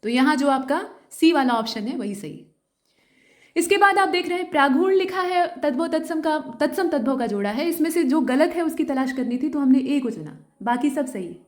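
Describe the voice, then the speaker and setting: A woman with a high, light voice works through exam questions as a teacher. She explains steadily and often stops to confirm that each point is clear. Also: lively intonation, normal speed. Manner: explanatory, repeats points with frequent checks. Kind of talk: exam answer key explanation.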